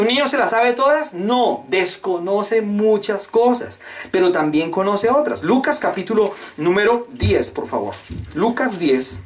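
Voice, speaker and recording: High-voiced pastor guy preaching, keeps asking the crowd questions, very emphatic. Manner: rhetorical call-and-response questions. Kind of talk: sermon.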